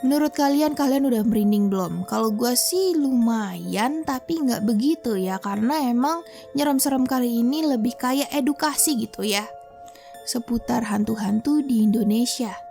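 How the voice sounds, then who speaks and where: A woman's voice: fairly high pitch, normal speed, gravelly. A young woman casually telling a horror story, chatty and slangy, speaking straight to her viewers. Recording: soft background music.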